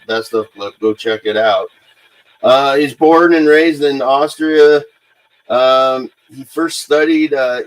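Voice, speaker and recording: A man with a mid-pitched voice hosts a casual paranormal livestream. He speaks unscripted and haltingly, often pausing on filler sounds as he gathers the next phrase. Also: a bit bright, rough recording. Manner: halting, hesitant delivery with frequent pauses and filler sounds. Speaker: host of a paranormal investigation livestream.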